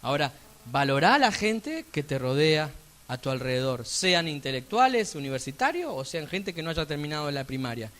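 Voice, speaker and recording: Bright high-voiced Argentine preacher. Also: male voice, very animated, normal speed. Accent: Argentine Spanish. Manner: emphatic preaching with sudden loud, rising peaks and conversational asides. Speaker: pastor. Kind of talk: sermon. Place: church.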